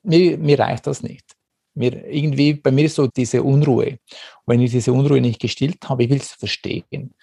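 Male podcast host, dark mellow tone, dry room, reflective and searching delivery. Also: medium pitch, steady tone, moderate pace, creaky, breathy edge, dry recording. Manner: searching, repeats words while thinking. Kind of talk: reflective conversation.

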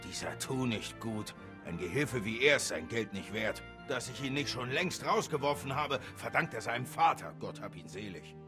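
A man's voice: medium pitch, expressive, moderate pace, hardly any pauses, close to an everyday voice. A man voicing a stern, grumbling village father. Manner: stern, grumbling about lazy helpers. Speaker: game character. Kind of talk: video game voice acting. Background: game music.

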